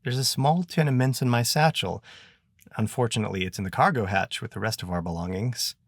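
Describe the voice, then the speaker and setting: A man playing a verbose, theatrical gentleman adventurer with a florid, pompous and grandly polite way of talking. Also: lowish voice, fairly quick, dry recording, studio quality. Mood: chatty.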